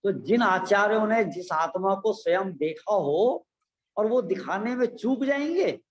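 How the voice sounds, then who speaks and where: A man teaching scripture to a class, his voice sitting high for a man. He talks slowly and deliberately. He keeps checking with his listeners and repeats key phrases to drive them home. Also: animated. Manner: asks listeners rhetorical check-in questions. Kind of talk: religious discourse to a class.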